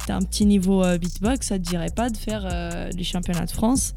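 Mellow-voiced woman. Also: on the low side, steady tone, fairly quick, gravelly, soft background music. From Portugal. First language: Portuguese. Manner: hesitant, many fillers. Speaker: guest beatboxer. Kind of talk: casual interview chat.

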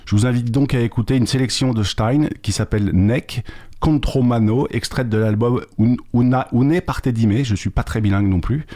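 A man hosting a radio interview, relaxed and teasing, asking long winding questions. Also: mid-range voice, moderate pace. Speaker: radio host. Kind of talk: conversational interview.

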